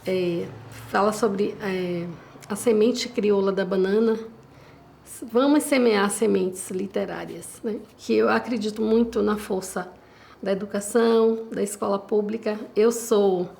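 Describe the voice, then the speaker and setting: A woman's voice: medium pitch, creaky, darkish tone. A woman writer from Bahia, answering interview questions in an earnest, reflective way. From Bahia, Brazil. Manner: earnest, reflective, often seeks agreement. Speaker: independent writer.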